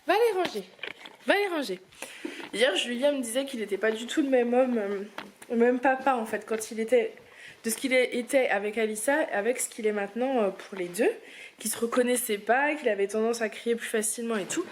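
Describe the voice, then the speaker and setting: Chatty young mother, slightly high voice. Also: fairly quick, a little hiss or hum. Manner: chatty, switches to high sing-song voice for her toddler. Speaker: family vlogger and mother. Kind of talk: casual home vlog. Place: family home indoors.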